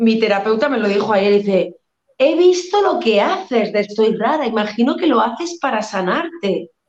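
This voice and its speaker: Her pitch fairly high and swinging very widely, a woman speaks at a moderate pace. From Andalusia, Motril. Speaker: comic actress. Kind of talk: interview.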